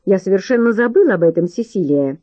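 A woman voicing a stiff, quick-speaking husband. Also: medium pitch, expressive, warm tone, no room sound, muffled recording, natural voice. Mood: firm. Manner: quick, firm. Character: stiff, red-faced middle-aged husband.

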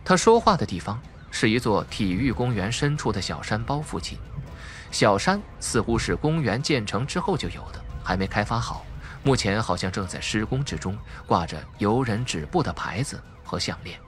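A man's voice: fairly low pitch, very animated, normal speed, a little hiss or hum. A man with a Mainland Chinese Mandarin accent narrating a suspense audiobook in a theatrical, dramatic way. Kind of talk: dramatic scripted narration of a crime thriller.

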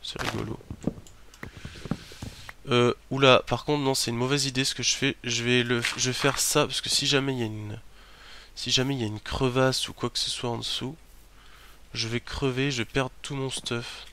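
Talking through his gameplay as a let's play host, this man mostly addresses himself but bursts into startled yells and profanity. Mid-range voice, level tone, normal speed, with background noise present.

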